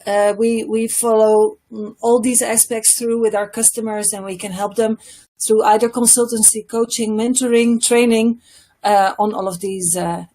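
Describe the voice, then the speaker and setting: Mellow Dutch-accented woman, hesitant phrasing. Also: mid-range voice. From Netherlands. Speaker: consultant, webinar panelist. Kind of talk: professional self-introduction.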